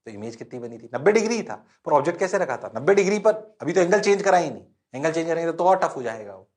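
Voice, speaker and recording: A male physics teacher giving a lively exam-prep lecture, repeating questions to his students. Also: a little high, quick pace. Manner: animated, playful, repeats questions to the class.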